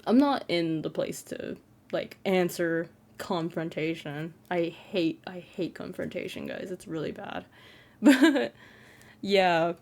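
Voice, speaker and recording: A young trans man with a feminine-sounding, fairly flat voice, rambling self-consciously in a casual late-night vlog from his bedroom, full of "like" fillers. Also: sits high, slow pace, vocal fry, slight background noise. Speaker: content creator.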